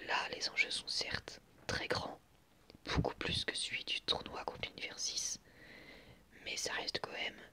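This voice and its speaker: A young man whispering in a breathy, unvoiced voice as he gives ASMR commentary in a reflective, hesitant, rambling way. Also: bright, forceful tone. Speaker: ASMR video creator.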